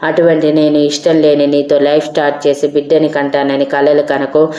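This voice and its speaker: A woman reading the lines of an angry, principled young man in an audio story, scolding slowly and emphatically. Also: low voice, monotone, warm tone, lightly acted. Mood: stern. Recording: roomy echo.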